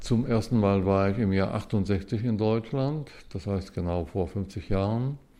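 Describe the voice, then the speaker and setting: A man speaks very slowly in a fairly low, dark and mellow voice with ordinary pitch variation. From Israel, Jerusalem. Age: 70s. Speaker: history professor. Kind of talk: interview.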